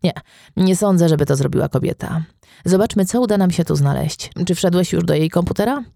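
A man's voice: sits high, fairly quick, vocal fry, warm tone, no room sound, studio quality. A man voicing a terse female police detective. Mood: certain. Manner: terse, clipped.

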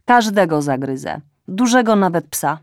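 A woman's voice: fairly low pitch, expressive, moderate pace, no room sound, studio quality. Woman playing a fawning courtly tomcat. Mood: devoted. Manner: ceremonious and fawning. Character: male cat, courtly, servile, protective of his owner.

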